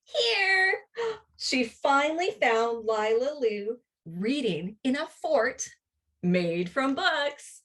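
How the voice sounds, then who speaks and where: A woman reading a children's picture book aloud in an expressive, deliberate storytelling manner, drawing out her words. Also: a little high, recorded from a distance. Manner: animated, drawn-out, deliberate storytelling.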